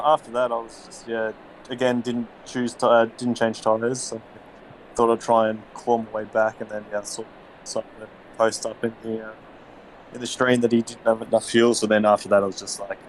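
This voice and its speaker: Rambling, laughing sim racing driver. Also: male voice, mid-range voice, a little hiss or hum, poor audio. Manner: rambling, self-deprecating, laughs often. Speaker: racing driver being interviewed. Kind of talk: casual post-race recap.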